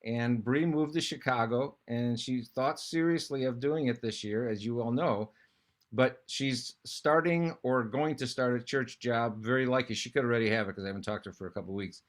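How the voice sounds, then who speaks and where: A man's voice: mid-range voice, normal speed. A man hosting a casual interview, rambling before asking his guest questions. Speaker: host.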